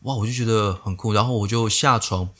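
A young man hosting a casual storytelling podcast, animated and acting out bits of dialogue, dropping in English phrases. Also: brisk, slightly rough. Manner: animated, acts out dialogue with pitch jumps, mixes in English phrases. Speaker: podcast host. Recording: slightly poor audio quality.

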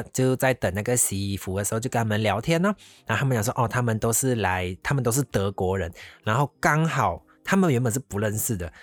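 A man's voice: lowish voice, no echo. A man casually telling a travel story, rambling along and slipping into English phrases. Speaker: vlogger.

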